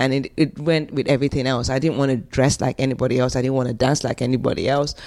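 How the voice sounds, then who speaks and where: Her voice is very deep and low in pitch. The woman speaks at a very fast pace. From born in England, raised in Nigeria. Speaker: singer, dancer and fashion designer. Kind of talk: interview, casual conversational.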